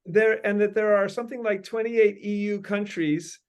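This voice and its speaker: A man's voice: high-pitched, fairly even intonation, moderate pace, clean tone. A man hosting a meeting, brainstorming in long winding sentences full of ums and uhs. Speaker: host leading a meeting.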